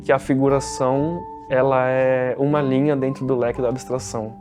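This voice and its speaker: A man's voice: medium pitch, flat delivery, moderate pace. A man in his thirties with a São Paulo Brazilian accent, talking about his work as an artist. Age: 30s. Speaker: painter. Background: music.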